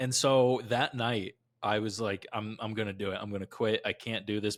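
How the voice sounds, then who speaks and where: Fairly low male voice with vocal fry and fairly even intonation, on a very clean recording with a silent background. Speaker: blacksmith and knife maker. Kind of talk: casual chat.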